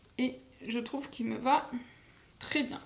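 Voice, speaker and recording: A woman speaks with a high-pitched voice. Noticeable background noise runs behind her. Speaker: knitting youtuber and designer. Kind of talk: tutorial. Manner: halting, many hesitations.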